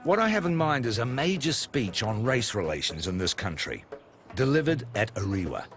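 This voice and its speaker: A man reading aloud as a political aide composing strategy emails, in a measured, lively way. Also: lowish voice.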